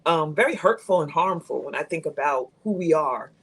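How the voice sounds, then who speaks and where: A woman's voice: deep voice, lively intonation, brisk, a bit bright, breathy edge. Reflective woman in her fifties. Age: 50s. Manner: reflective, candid, speaks in long thoughtful runs. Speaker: guest. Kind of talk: candid conversation on a live show.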